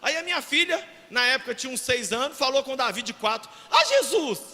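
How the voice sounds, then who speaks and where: A Brazilian man preaching a fervent sermon as a pastor, shouting his points and telling family stories. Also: very high voice, lively intonation, quick pace. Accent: Brazilian Portuguese. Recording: long hall reverb.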